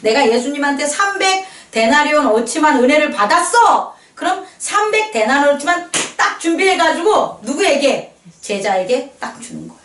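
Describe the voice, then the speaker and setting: A woman pastor preaching a sermon in a lively, playful way, acting out quoted voices and laughing often. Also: high voice, normal speed, echoey room, far from the mic. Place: church hall.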